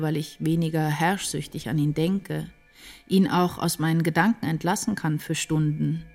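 An introspective woman writer in a radio play. Her low voice narrates in measured, deliberate literary phrases, with music underneath. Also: a little mellow. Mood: wistful. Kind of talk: literary first-person radio drama narration.

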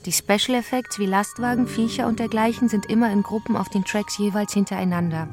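A woman's voice: mid-range voice, fairly even intonation, fairly quick, a little mellow, soft background music, lightly acted. A woman reading emails and notes as scripted narration in a radio play. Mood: composed.

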